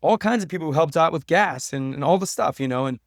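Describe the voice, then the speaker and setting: Casual, earnest man, slightly high voice. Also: lively intonation, fast, no room sound, clean studio sound. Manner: earnest, informal, peppered with "you know" and "like". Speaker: podcast guest, professor and documentary maker. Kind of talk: casual conversational interview answers.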